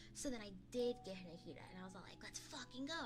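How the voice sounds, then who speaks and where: Against music in the background, a woman talks at a very fast pace. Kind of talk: casual talk to camera, livestream chatting. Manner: excitable, animated, swearing casually.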